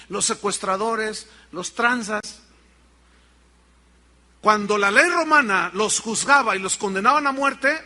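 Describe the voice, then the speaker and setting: A man's voice: sits high, sharp tone. A man preaching a sermon to his congregation, pressing them with rhetorical questions. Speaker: pastor. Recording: long reverb of a large hall.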